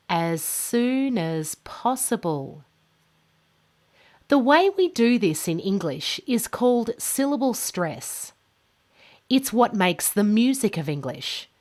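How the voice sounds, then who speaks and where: A woman in her thirties giving a scripted pronunciation lesson, enunciating carefully and deliberately with marked word stress. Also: medium pitch, darkish tone. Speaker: pronunciation teacher. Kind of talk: instructional lesson to camera, scripted. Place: small indoor studio with plain backdrop.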